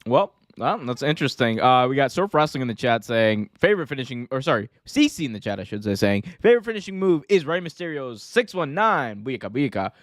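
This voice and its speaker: A man co-hosting a casual wrestling podcast, reading out chat messages in an animated, jokey way, often laughing. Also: mid-range voice, brisk, few pauses, no room sound, clean studio sound.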